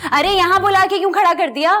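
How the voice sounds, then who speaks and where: A woman with a Pakistani Urdu accent playing a sharp-tongued daughter-in-law who answers back curtly and defensively. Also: very high-pitched, quick pace, faint music behind. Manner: curt, defensive.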